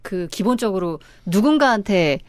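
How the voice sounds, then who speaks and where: A woman on a studio podcast panel who calmly explains people's habits and gives advice. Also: medium pitch, moderate pace, no echo. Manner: calm, explaining, advice-giving. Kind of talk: casual panel podcast chat.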